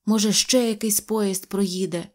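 A woman voicing an excited little male toy station master in an audio fairy tale, calling out loudly. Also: medium pitch, a little slow, lightly acted. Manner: shouting over noise.

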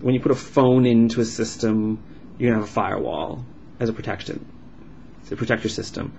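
A man voicing a signed vlog as an interpreter, explaining in halting phrases with uneven pauses. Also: on the low side, a little mellow. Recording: dull lo-fi sound with clear background noise.

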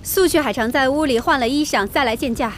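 An actress playing a composed, dutiful young empress in a period palace drama. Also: female voice, sits high, fast, natural voice. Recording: faint background noise.

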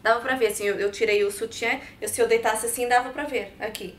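Portuguese-accented woman, animated interview guest. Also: fairly high pitch, fast, echoey room, a little hiss or hum. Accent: European Portuguese. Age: 30s. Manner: expressive, talks with her hands. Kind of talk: personal story in a sit-down interview. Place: bright studio set with sofa and shelves. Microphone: lapel mic.

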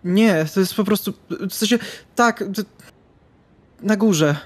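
A man acts out a novice vampire in a tabletop game, rattled and anxious. His voice sits a bit high, and he stammers and hesitates through his sentences. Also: slow pace. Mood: flustered.

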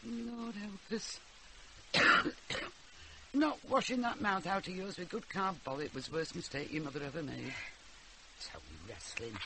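A woman's voice: lowish voice, unhurried, long pauses, sharp tone, a little hiss or hum, rough recording. An actress playing a blunt, teasing old grandmother in a radio drama. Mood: scolding, wry. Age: older. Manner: blunt, dryly scolding.

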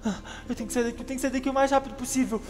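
A man with a Brazilian accent doing a dramatized game role-play, excitable and theatrical, often repeating his phrases. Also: very high voice, very fast. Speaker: gaming video creator playing a scared explorer.

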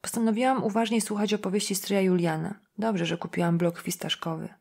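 A woman reads a novel in the first person, quiet and inward. Her narration is measured and even, as if she is thinking aloud. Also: mid-range voice, creaky. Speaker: audiobook narrator.

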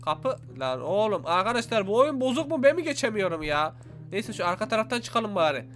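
A young man narrates his gameplay in a high, bright voice, quick to exclaim and chatting straight to his viewers. His tone is sharp and energetic, with faint game music under him. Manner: animated, exclaims and talks to viewers. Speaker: gaming YouTuber. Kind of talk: excited let's-play commentary.

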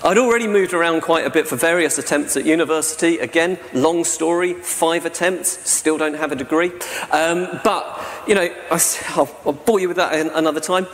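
Speaking at normal speed with hardly any pauses, a fairly high-voiced conference speaker, a man in his forties from South-East England, presents from a lectern stand mic. He's chatty and self-deprecating and often adds "right?". The large, dark hall with its projection screen makes the recording reverberant, with faint noise.

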